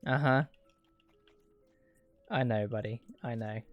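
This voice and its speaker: A man with a mid-pitched voice chats casually while speedrunning a game on stream. He rambles drily and swears, with music playing faintly behind him. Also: slow pace, dull audio. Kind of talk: casual livestream gaming commentary.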